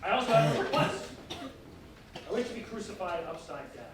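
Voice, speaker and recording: A man in a staged reading playing a weary, defiant condemned Christian, speaking solemnly and deliberately. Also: sits high, lively intonation. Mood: solemn, resolute. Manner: solemn, deliberate, earnest declamation. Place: large reverberant performance space, staged reading. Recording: echoey hall from far off, faint noise.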